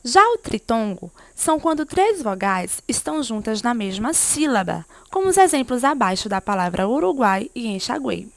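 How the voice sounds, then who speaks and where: A woman's voice: a little high, very animated, normal speed, hardly any pauses, no echo. A woman teacher giving a remote lesson to young pupils, explaining step by step and often asking them questions. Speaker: primary school teacher.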